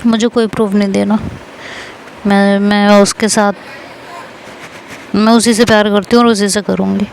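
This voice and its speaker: A woman's voice: medium pitch, little pitch movement, moderate pace, gravelly, a little mellow, a little hiss or hum, close to an everyday voice, rough recording. A woman voicing an upset young woman who pleads and speaks of being hurt.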